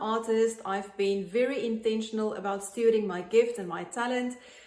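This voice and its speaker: In a South African accent, a woman speaks enthusiastically at a moderate pace, her fairly high voice showing ordinary pitch variation. Noticeable background noise and audible room echo fill the recording. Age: 40s. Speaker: artist and online business promoter. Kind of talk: sales pitch. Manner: casual, enthusiastic.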